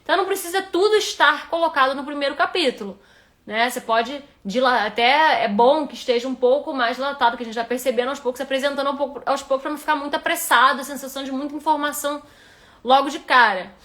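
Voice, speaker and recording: Fast-talking and high-pitched with a bit of brightness, this writing instructor gives a live critique of a reader's manuscript. Her Rio de Janeiro Portuguese accent comes through as she thinks aloud and restarts often.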